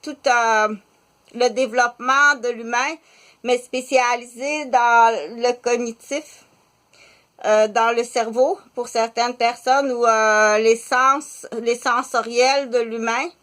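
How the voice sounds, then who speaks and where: A woman in her fifties with a Québécois French accent, talking slowly in a halting monologue full of filler pauses. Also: a little high, steady tone, a bit bright. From Quebec. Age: 50s. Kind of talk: casual spoken monologue.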